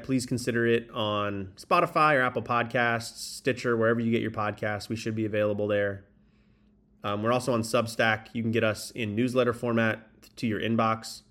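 A man's voice: fairly low pitch, steady tone, moderate pace, a bit bright. A man hosting a sports podcast solo, casually rambling as he thinks aloud, recorded on a makeshift mic in an echoey spot. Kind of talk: solo baseball commentary, casual. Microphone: makeshift mic, not the proper one. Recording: echoey room, improper microphone.

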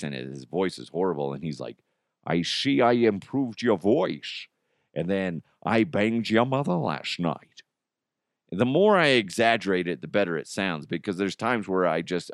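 A man's voice: rumbling low, clean tone, dry recording, clean studio sound. A man hosting a podcast in casual, rambling talk, his voice a little strained. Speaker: podcast and radio host.

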